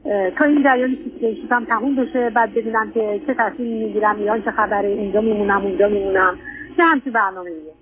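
Through a thin, tinny telephone line comes a mature woman with an Iranian Persian accent and a mid-pitched voice. She is a caller giving a personal account, hesitant and polite, with a deferential way of speaking. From Iran. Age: 50s or older. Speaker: caller seeking advice. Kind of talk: personal account on a radio advice call. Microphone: phone call to a radio show. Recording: tinny narrow-band phone line.

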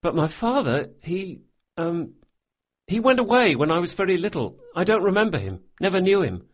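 Man putting on a high, loud young boy, eager and apologetic, quick and stumbling; storybook reading, slightly dull recording. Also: big pitch swings. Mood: earnest. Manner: quick, earnest, stumbling speech.

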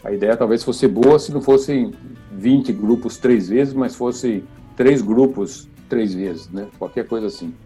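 An older Brazilian man, an oboist, telling lively anecdotes in an interview, acting out quoted dialogue and laughing often. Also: medium pitch, unhurried, slightly rough, faint music behind. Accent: Brazilian Portuguese.

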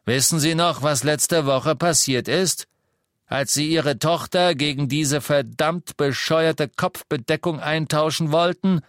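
A man voicing a brutal dark wizard with a rough voice, sneering and bellowing threats. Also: a little high, unhurried, no echo, studio quality, voice pushed up.

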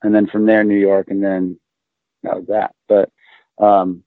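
A man's voice: fairly low pitch, flat delivery, unhurried, no room sound. An American man chatting as a comedian guest, telling rambling, sweary, self-deprecating anecdotes. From Maryland, USA. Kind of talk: casual anecdotal chat. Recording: narrow tinny phone-like line, dry.

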